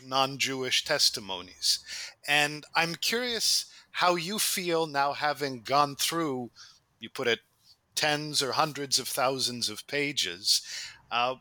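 A man conducting an academic interview, putting his questions in a measured, thoughtful and articulate way. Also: medium pitch, pushed and bright, dry recording.

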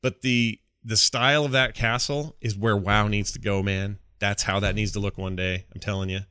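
Deep-voiced man, bright and excited. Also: normal speed, smooth, dry recording, studio quality. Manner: animated storytelling with slangy asides. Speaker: podcast co-host. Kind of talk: casual enthusiastic gaming chat.

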